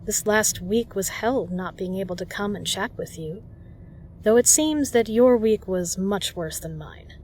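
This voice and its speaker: A woman's voice: mid-range voice, animated, a little slow, a little mellow, a little hiss or hum, lightly acted. A woman playing a kind, protective, flirtatious bar regular in an audio roleplay, speaking earnestly and reassuringly to the listener. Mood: tender, sincere.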